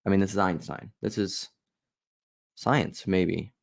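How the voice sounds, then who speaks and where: A man's voice: sits low, fairly even intonation, slow pace, gravelly. A man giving casual video commentary and reading aloud, rambling and jumping between ideas.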